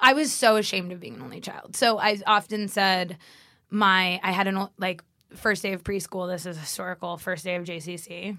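A woman's bright, sharp voice with vocal fry, big swings in loudness and a moderate pace, on a very clean recording with a silent background. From Los Angeles. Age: 20s. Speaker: comedian and actress. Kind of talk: casual interview chat.

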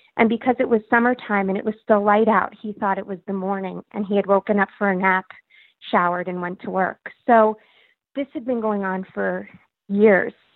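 A woman with a normal speaking voice, medium pitch, fairly even intonation and a moderate pace. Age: 20s. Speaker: runner sharing personal story. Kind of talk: personal testimony.

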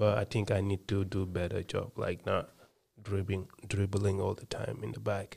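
At a moderate pace, a man talks in a fairly low, somewhat breathy voice with monotone, flat intonation. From Senegal. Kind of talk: casual interview chat. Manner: halting, many fillers.

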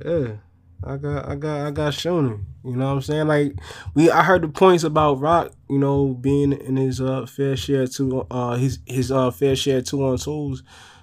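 Noticeable noise sits in the background. The speech has a moderate pace and fairly even intonation. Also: man, fairly high pitch for a man. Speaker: podcast co-host. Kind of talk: casual banter.

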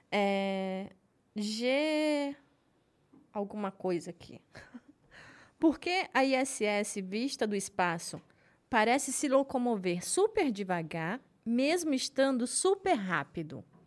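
Over a very clean recording with a silent background, the voice moves at a very slow pace with long, frequent pauses and very wide swings in pitch. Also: woman, fairly high pitch for a woman. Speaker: podcast co-host. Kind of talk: casual chat.

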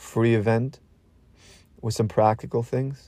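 In a very clean recording with a silent background, a man with a non-native accent speaks at a fairly low pitch in a dark, mellow tone with monotone, flat intonation. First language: not English. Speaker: podcaster. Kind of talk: casual monologue.

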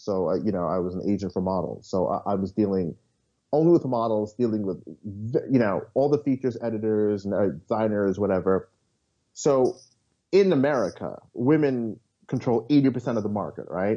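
This man has a normal speaking voice, fairly low in pitch with ordinary pitch variation. He talks at a moderate pace. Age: 40s. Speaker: film director and producer. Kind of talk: casual chat.

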